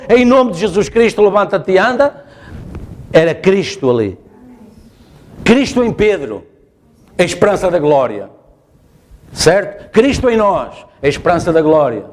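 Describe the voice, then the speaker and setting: In a church, a male pastor with a European Portuguese accent preaches a sermon emphatically, repeating his phrases and asking the congregation "está a ver?". His voice sits high and is a little mellow, with lively intonation and a moderate pace.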